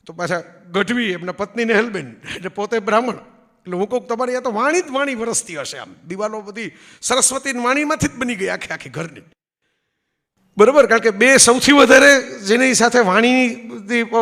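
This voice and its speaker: A public speaker with a high-pitched, expressive, bright and forceful voice talks fairly quickly, followed by a long reverb tail. He addresses an audience in an event hall, telling anecdotes, acting out quoted voices and asking them "barabar?" to check in.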